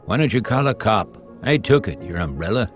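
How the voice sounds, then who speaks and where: A man's voice: low-pitched, very animated, fairly quick, soft background music. A man voicing a brazen, defiant young tramp with a taunting, challenging manner in an audiobook story. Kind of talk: audiobook character voice.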